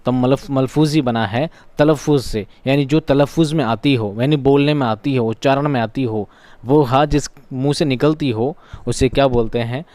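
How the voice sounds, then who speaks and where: A man's voice: medium pitch, normal speed, darkish tone, dry recording. A man teaching a grammar lesson who asks questions and answers them himself, repeating key terms. He speaks with a flavour. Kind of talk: classroom-style grammar lesson.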